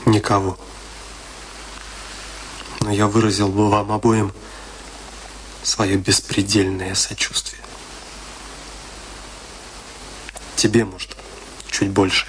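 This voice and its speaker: A man's voice: lowish voice, level tone, takes it slowly, pauses often, a little hiss or hum, rough recording. An earnest, troubled middle-aged man. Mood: compassionate. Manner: earnest, questioning, reflective. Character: troubled, compassionate middle-aged confidant, searching and perplexed. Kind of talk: theatrical radio play dialogue.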